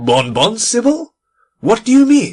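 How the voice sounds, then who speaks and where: A put-on character voice from a man, high in pitch, delivered fairly slowly. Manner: slow, halting.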